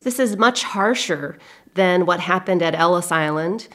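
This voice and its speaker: An American woman, a historian being interviewed, answering thoughtfully with measured, deliberate, halting phrasing. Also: lowish voice.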